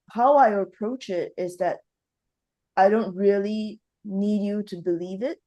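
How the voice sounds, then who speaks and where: A woman speaking in a relaxed, mellow tone during an easygoing podcast conversation. She talks animatedly, with quick bursts of excitement and frequent laughter. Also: mid-range voice. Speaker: podcast co-host, healer. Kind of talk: casual conversation.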